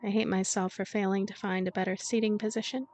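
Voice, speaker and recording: A woman hosting a let's play, reading a visual novel aloud as expressive narration with casual commentary. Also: mid-range voice, fast, a little hiss or hum.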